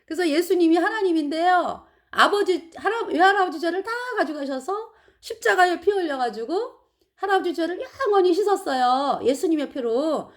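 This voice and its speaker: Woman putting on a little girl's voice, earnest, pleading, high, lively. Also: normal speed. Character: six-year-old girl earnestly preaching to grandpa.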